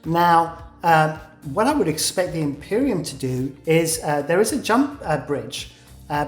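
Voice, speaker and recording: Low-voiced woman, gaming war-update commentator, analytical with many "uh" pauses; echoey room, faint music bed. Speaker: game news commentator.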